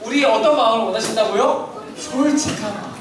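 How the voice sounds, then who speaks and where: High-pitched children's pastor quizzing kids, very echoey hall, distant mic, kids heard around him. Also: male voice, fairly quick, crowd noise. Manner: asks kids questions, leads call-and-response. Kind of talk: interactive children's sermon. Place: church hall.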